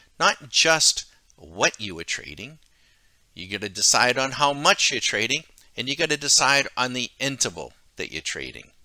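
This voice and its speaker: Vocal fry runs through a man's bright, sharp tone at medium pitch, spoken at a moderate pace on a very clean recording with a silent background. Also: big swings in loudness. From Massachusetts (Lynn, Boston area). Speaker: stock trading tool vendor. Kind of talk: sales pitch with live market commentary.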